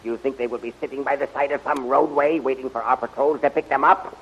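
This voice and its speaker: Man acting gravelly, scornful villain general. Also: medium pitch, fairly even intonation, fast talker, fairly bright tone, highs cut off, close to an everyday voice. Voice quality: gravelly, theatrical. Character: irascible, scornful male general, villainous and barking. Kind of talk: 1930s radio serial acting. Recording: hissy 1930s radio recording.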